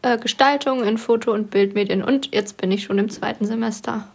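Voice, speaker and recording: Creaky-voiced young woman student. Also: on the high side, fairly even intonation, brisk. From southern Germany. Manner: casual, hesitant with fillers. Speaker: photography student.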